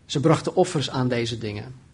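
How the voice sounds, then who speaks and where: A man preaching a sermon, often raising his voice when quoting pleas and dropping low and quiet on solemn points. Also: normal speed, breathy edge. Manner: animated, voices the prophet's pleading with rising pitch.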